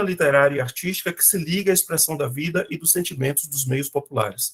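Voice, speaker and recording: A man in a Bahian accent, fairly high in pitch, at a very fast pace. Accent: Bahian Brazilian Portuguese. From Bahia, Brazil (Feira de Santana). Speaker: doctoral student presenting research. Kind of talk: academic conference paper reading; conference talk introduction.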